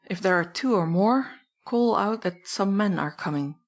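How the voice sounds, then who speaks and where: A woman's voice: mid-range voice, animated, measured pace. A woman reading an audiobook, voicing a composed man who speaks curtly and firmly. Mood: commanding. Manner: curt, firm. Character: composed adult man, curt and commanding.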